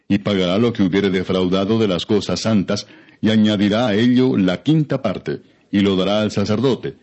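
Male Bible narrator, low register, solemn and measured formal read, slightly dull lo-fi sound. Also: darkish tone. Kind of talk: solemn scripted scripture narration.

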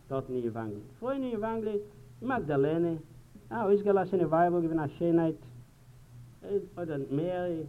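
A man in his sixties giving a public lecture, speaking earnestly to the audience and swinging between loud emphasis and quiet asides. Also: high voice. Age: 60s. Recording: tinny, hissy 1950s archival tape.

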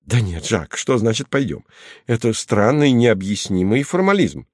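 A man voicing an excitable, easily offended male hunter who talks loudly and pompously. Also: normal speed, no echo, studio quality. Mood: indignant. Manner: loud, indignant, higher-pitched.

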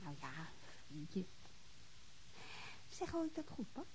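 An actress playing a cheeky, teasing young student daughter in a radio drama, playful and probing. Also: female voice, mid-range voice, sing-song, slow, darkish tone, a little hiss or hum, rough recording. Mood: playful, coy. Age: young adult. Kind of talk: Dutch radio drama dialogue.

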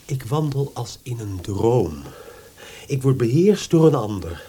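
A man's voice: medium pitch, big pitch swings, measured pace, warm tone, slightly rough. An actor playing a sleepless, lovesick young man in a radio play, pleading and self-absorbed in a dramatic way. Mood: anguished, yearning. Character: sleepless, lovesick, melodramatic young male visitor. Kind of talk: Dutch radio play acting.

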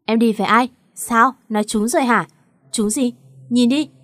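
A woman's voice: a little high, normal speed, a bit bright, dry recording, studio quality, natural voice. A woman voicing a cold, curt young husband who is also a boss, in a read-aloud story. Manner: curt and dismissive.

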